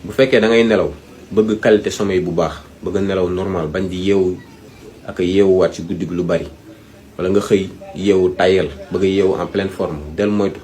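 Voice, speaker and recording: Senegalese male, deep and mellow, informal advisory talk, insistent and direct, some background noise. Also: steady tone, normal speed, poor audio. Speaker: speaker giving health advice. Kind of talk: informal advisory talk, Wolof mixed with French.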